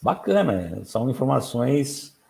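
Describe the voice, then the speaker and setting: A man's voice: medium pitch, very animated, measured pace, gravelly, a little mellow. A Brazilian man hosting an interview, reacting with brief affirmations and asking questions. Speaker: interview host. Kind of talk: casual interview.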